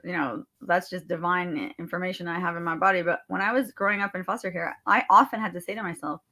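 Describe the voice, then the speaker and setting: A woman's voice: lowish voice, fairly even intonation, quick pace, bright, forceful tone. A middle-aged woman talking in an emphatic, motivational way as a guest in a casual interview. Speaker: guest author and grief recovery speaker.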